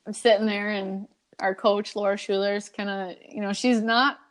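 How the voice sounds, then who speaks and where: A woman's voice: mid-range voice, little pitch movement, normal speed. A young adult woman from Canada, a guest telling her story in a casual, chatty way, laughing often and saying "like" and "you know" a lot. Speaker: guest, Olympic hockey player.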